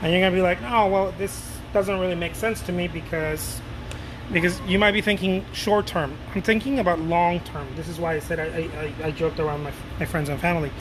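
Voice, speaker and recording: Speaking a little fast, a man in his late thirties chats to camera for his viewers about painting in a loose, lively ramble. His voice sits fairly high, he circles back over his words, throws in casual curses, and a constant AC hum is plainly audible underneath.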